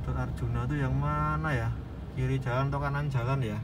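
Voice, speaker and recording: A man's voice: medium pitch, fairly even intonation, a little fast. A man with a Javanese regional accent chatting casually and informally to viewers as a driver vlogging on the job. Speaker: ride-hailing driver and vlogger. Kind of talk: casual vlog chat while driving. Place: inside a car driving through streets. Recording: clear car and road noise.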